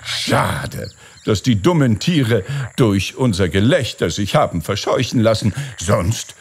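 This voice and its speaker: A man voicing a jovial, excitable caliph turned into a stork, with a lively, exclaiming delivery. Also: fairly low pitch, slow pace, slight background noise, heavily acted. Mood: merry.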